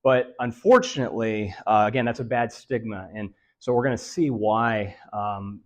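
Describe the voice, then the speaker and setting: A man presenting a health lecture to seniors in a meeting room, his voice raspy and nasal and a bit dry from allergies, talking in a monotone with many fillers. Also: on the low side, moderate pace. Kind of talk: live lecture to a senior audience.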